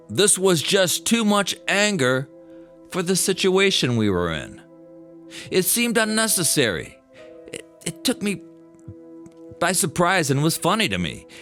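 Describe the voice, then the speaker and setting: Male memoir narrator, very expressive pitch, wry, pauses for drama; clear music bed under the read. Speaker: storyteller narrating own memoir. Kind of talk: scripted personal storytelling narration. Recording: music behind the voice.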